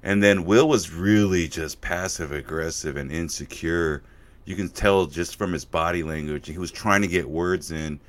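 A man's voice: deep voice, normal speed. A man co-hosting a podcast in casual chat, giving direct, opinionated takes. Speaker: podcast co-host.

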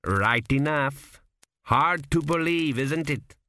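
A man voicing a cynical, crude old ancestor ghost, a former swindler, with a slow, gruff drawl in an audiobook. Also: fairly high pitch, pushed and bright, no room sound, voice pushed up. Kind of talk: audiobook character voice.

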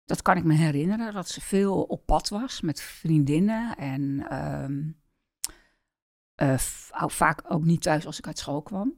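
Middle-aged dutch woman, low voice, bit gravelly, slow and halting, dry sound. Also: darkish tone, no room sound. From Netherlands. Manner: hesitant, many pauses and fillers. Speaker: interview guest. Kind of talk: personal life-story interview.

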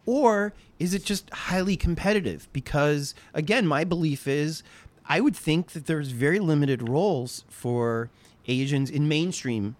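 An interviewer host in casual chat, chatty and enthusiastic in manner. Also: a little slow. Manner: chatty, lively intonation with big pitch swings.

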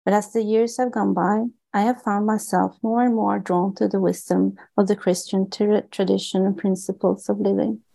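Gravelly, mellow Swedish woman reading. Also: medium pitch, little pitch movement. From Sweden. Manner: earnest and measured, with small restarts on words. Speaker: author and guest. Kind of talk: reading aloud from her own book.

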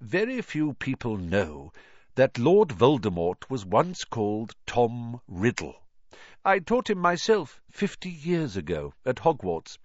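A man voicing a gentle, wise elderly headmaster who speaks softly. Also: medium pitch, huge pitch swings, takes it slowly, dry recording, muffled recording, exaggerated voice. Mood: explaining. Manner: gentle, soft-spoken.

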